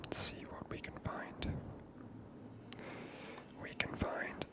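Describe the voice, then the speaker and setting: A man giving whispered ASMR gameplay commentary close to the microphone, unhurriedly thinking aloud. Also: slow pace. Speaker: ASMR gaming host.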